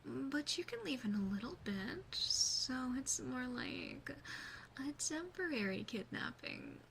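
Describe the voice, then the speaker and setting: A woman plays a doting yet playfully menacing demon sister in an ASMR roleplay. The voice is highish and soft, slipping into breathy whispers, very close to a binaural mic. The words come slowly, with a faint noise behind them. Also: big pitch swings, exaggerated voice. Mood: sheepish, coaxing. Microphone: close binaural microphone.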